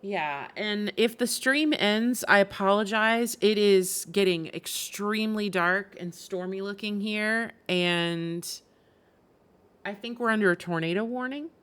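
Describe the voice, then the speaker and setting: A woman's voice: mid-range voice, measured pace, fairly bright tone, clean tone. A woman game streamer giving casual live reactions, musing aloud in a conversational way.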